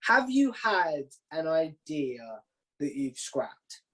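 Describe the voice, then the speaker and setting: A man's voice: on the high side, very animated, slow, bright, forceful tone. A man hosting a casual podcast interview, chatting informally, offering his opinions and thinking aloud as he goes.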